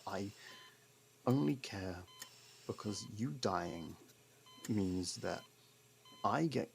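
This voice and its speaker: Man acting a deep gravelly, guarded jailbird. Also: slight background noise, heavily acted. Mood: defensive, irritated. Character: sardonic, guarded jailbird man, reluctantly worried about partner. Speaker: ASMR roleplay voice actor. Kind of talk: ASMR roleplay, intimate dramatic monologue.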